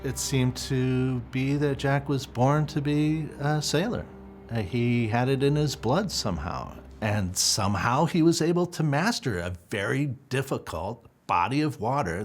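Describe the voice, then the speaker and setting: A man giving unscripted documentary interview commentary in deliberate, broken phrases. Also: medium pitch. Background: faint music.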